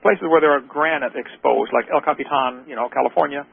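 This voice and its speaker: A man hosting a call-in radio show talks quickly, lecturing and peppering the caller with rhetorical questions. His voice is gravelly and husky, a little high for a man. The sound is tinny, like a radio broadcast carried over a phone line. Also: no room sound.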